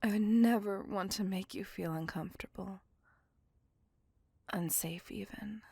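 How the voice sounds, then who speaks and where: A woman's voice: mid-range voice, vocal fry, husky, no echo. Woman whispering as a courteous vampire lover. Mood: tender whisper. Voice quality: soft whisper. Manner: formal, slow, intimate and reassuring. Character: courteous, possessive female vampire on a date. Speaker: voice actor. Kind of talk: ASMR roleplay.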